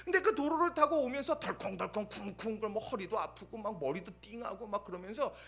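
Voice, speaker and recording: A male pastor preaching a Sunday sermon, telling stories with acted-out dialogue and swings between loud bursts and hushed asides. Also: sits high, fast, vocal fry, slightly rough. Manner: animated storytelling, acting out quoted dialogue.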